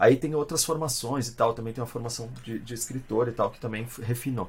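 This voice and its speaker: A man speaks at a medium pitch with a somewhat breathy voice. His intonation stays fairly even. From southern Brazil, Porto Alegre area. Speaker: game studio co-founder and marketing director. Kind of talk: interview. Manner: halting, many repetitions.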